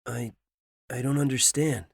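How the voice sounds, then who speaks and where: A man's voice: mid-range voice, fairly even intonation, unhurried, vocal fry, husky, no room sound, clean studio sound, pitched above the performer's own voice. A man voicing a nervous, flustered young man who stammers and protests his innocence. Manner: stammering, defensive.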